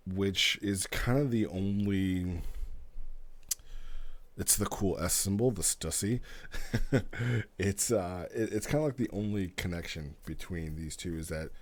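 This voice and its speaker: A man's voice: deep voice, expressive, slow pace, long pauses, no room sound. A middle-aged man giving a casual recap as a streamer, acting out parts as he tells the story. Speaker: streamer and role-player.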